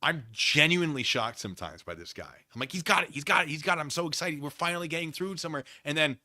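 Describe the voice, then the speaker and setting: A male streamer talks to his chat in a casual but theatrical way. His pitch swings widely around an average register, and he leans hard on his points. The voice is bright and sits in a dry space. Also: lively intonation, fast talker, no room sound. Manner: theatrical, emphatic, exasperated debating. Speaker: livestream host. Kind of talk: casual livestream chat with viewers.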